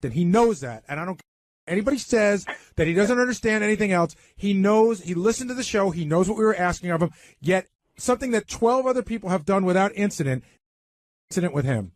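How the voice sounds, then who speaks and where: A man's voice: high-pitched, animated, brisk, no room sound. A man on a radio panel, speaking off the cuff in an insistent, argumentative way. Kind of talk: unscripted radio debate.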